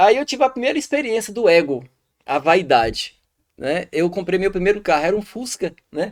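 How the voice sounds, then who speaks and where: In a slight Bahian accent, a man talks at a moderate pace with a high pitch and very wide pitch swings, on a very clean recording with a silent background. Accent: slight Bahia-like. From Brazil, Salto da Divisa, Minas Gerais near Bahia. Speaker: entrepreneur. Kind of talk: podcast interview, life story.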